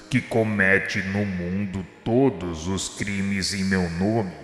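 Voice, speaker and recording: Man playing divine master, grave, reproving, forceful bright edge, cavernous reverb, radio play. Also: low-pitched. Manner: solemn, slow, declamatory. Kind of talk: radio drama acting. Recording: reverberant hall effect with music underneath. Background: music.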